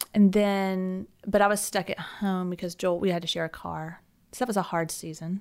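At a moderate pace, a woman with an American accent uses a normal speaking voice of medium pitch and fairly even intonation, on a very clean recording with a silent background. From US South, Georgia (Alpharetta, north of Atlanta). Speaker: pastor's wife. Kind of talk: casual interview.

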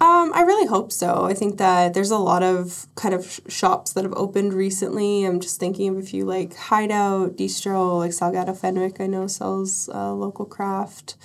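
At a moderate pace, a woman speaks with hardly any pauses. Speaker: podcast host.

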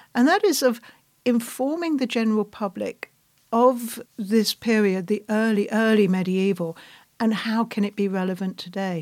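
Someone with an English accent speaks at a moderate pace, their pitch varying in an ordinary way. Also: woman, fairly high pitch for a woman. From England. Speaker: podcast host. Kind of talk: interview.

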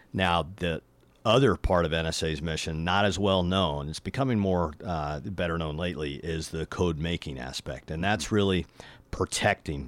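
A man's very deep, low voice with vocal fry and an American accent, at a moderate pace with ordinary pitch variation, dry and close with no echo on a very clean recording with a silent background. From Montana, US. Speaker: retired intelligence agency official. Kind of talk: radio interview.

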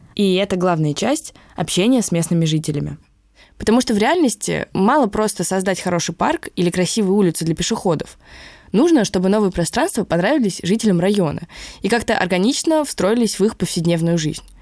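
A woman speaks in a plain, everyday voice at a medium pitch and a fairly quick pace. Her intonation is lively, with big swings in loudness. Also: very clean recording, silent background. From Moscow, Russia. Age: 20s. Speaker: podcast host, journalist. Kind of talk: scripted narration.

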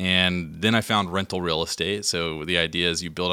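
This man's voice is very deep and low, with a bright, sharp tone and monotone, flat intonation. The recording is very clean, with a silent background. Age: 30s. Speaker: accounting firm founder. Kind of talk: interview. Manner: halting.

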